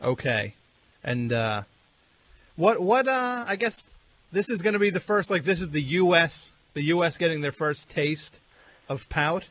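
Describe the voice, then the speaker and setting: A male radio host with a slightly raised pitch who interviews a caller in a dry, deadpan way. He needles the guest and patiently corrects him. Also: unhurried, a little hiss or hum.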